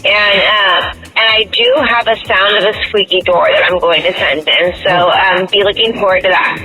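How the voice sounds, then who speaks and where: A woman's voice: medium pitch, steady tone, moderate pace, bright, forceful tone, faint music behind, poor audio. A woman leaving a friendly, rambling voicemail for a radio show. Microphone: phone voicemail.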